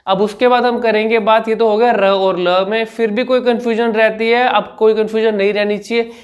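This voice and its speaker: Speech coach, male, higher voice; patient, instructional vlog delivery. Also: flat delivery. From India. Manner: demonstrates sounds by repeating syllables slowly.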